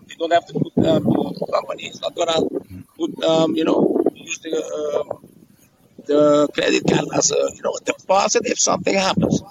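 Being interviewed, an Aruban-accented tour guide chats casually, explaining things while repeating phrases and asking "yes?" to check in. His voice is a little high and gravelly at normal speed, with heavy background noise around him.

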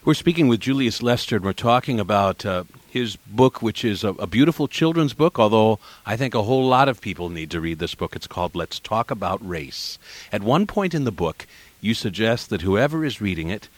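Male radio host, low voice, dry studio sound, measured and reflective. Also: expressive, no echo. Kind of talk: radio interview.

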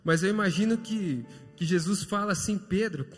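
A man's voice: high voice, fairly quick. A man with a Brazilian Portuguese accent preaching a sermon as pastor, voicing quoted dialogue and building to fervent emphasis. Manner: acts out dialogue in quoted voices. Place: large church hall. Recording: long church reverb with faint music.

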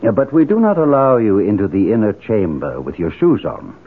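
Swooping, imperious cult leader. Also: male voice, lowish voice, sing-song, husky, full character voice. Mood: cool interrogation. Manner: formal, pompous, measured oratory. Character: imperious, suave male leader of secretive moral-crusade society. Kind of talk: 1970s radio drama acting. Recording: tinny 1970s radio broadcast.

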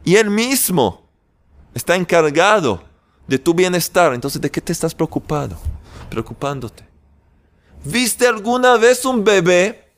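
A man giving a sermon as a religious teacher, animated, with many rhetorical questions and dramatic pauses. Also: high voice.

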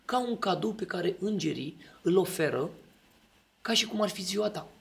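A man's voice: high voice, animated, creaky, fairly bright tone. A man in casual podcast talk, explaining his ideas and often checking that the listener agrees.

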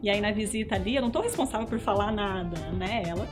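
A woman's voice: mid-range voice, quick pace. A woman, a missionary guest explaining things in a casual chat, often tagging her sentences with "né". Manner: explanatory, with frequent "né" tags. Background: background music.

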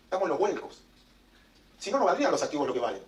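A man's voice: a little high, big pitch swings, racing. A man with an Argentine accent giving an economics talk to an audience, emphatic and joking, recorded at a distance in an echoey room. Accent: Argentine Spanish. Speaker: economic speaker. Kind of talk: lecture to an audience.

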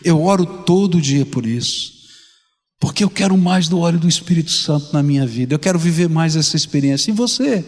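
A man's voice: a little high, animated, a little fast, a little mellow. An older Brazilian man preaching a fervent sermon to his congregation, often asking them direct questions. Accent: Brazilian Portuguese. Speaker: pastor. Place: large church sanctuary. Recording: long reverb of a large church hall.

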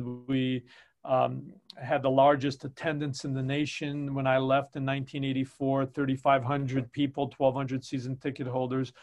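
An older man, a volleyball coach who grew up in Chicago, telling his long career story in a casual interview with many ums and uhs. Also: mid-range voice. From Chicago, United States.

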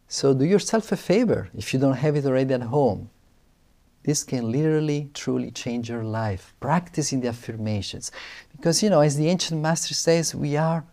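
A man speaking as a monastic teacher, giving a spiritual talk in a calm, soothing, deliberate manner. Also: mid-range voice. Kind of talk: spiritual talk with guided breathing and affirmations.

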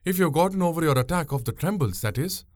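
A man voicing a sharp-tongued young woman who steers a boat, teasing and bossy in a raised voice. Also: on the high side, animated, fast talker, dry recording, clean studio sound, voice pushed up, natural voice.

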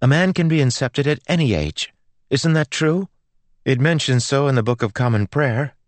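A man voicing a stubborn, outspoken teenage girl in an audiobook, with a loud, dramatic, insistent manner. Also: mid-range voice, animated, normal speed, dry recording, pitched above the performer's own voice, close to an everyday voice.

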